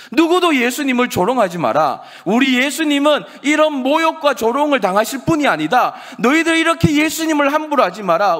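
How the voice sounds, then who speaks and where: A man acting out an anguished woman who cries out in defiance, loud and impassioned. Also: very high voice, pitched above the performer's own voice, full character voice.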